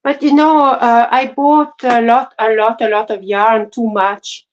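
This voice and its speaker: Slow, hesitant woman with a French accent. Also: fairly high pitch, fairly even intonation. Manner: soft, hesitant and apologetic, many fillers. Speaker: co-host. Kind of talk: casual livestream chat about crochet. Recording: dull lo-fi stream audio.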